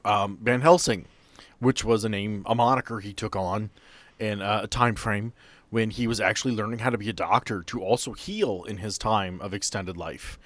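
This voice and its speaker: A man narrating an improvised tabletop horror game as game master, with theatrical storytelling and dramatic pauses. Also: fairly low pitch, steady tone, fairly bright tone, no echo. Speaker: game master, podcast host.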